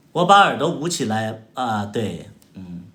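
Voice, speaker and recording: A livestream host from Heilongjiang, China, answers viewer comments in casual chat with a Northeastern Mandarin accent and a medium-pitched, pushed, bright voice. He's sarcastic and combative, firing off mocking retorts with exaggerated exclamations in an echoey room.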